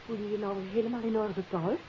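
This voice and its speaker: An actress playing a refined, concerned wife of a detective in a 1950s radio drama, attentive and inquiring. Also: female voice, mid-range voice, steady tone, fast, mellow, natural voice. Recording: dull, hissy 1950s radio recording.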